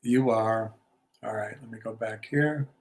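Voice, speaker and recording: A man's voice: on the low side, steady tone, measured pace, a little mellow. A man hosting a casual livestream about markets, rambling and opinionated with wry asides. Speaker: livestream host. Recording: roomy echo.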